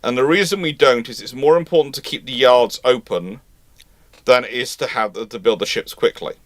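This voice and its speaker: A man's voice: mid-range voice, fairly quick, no echo. A man hosting a live naval history Q&A, explaining at length with many fillers and restarts. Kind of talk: live Q&A chat.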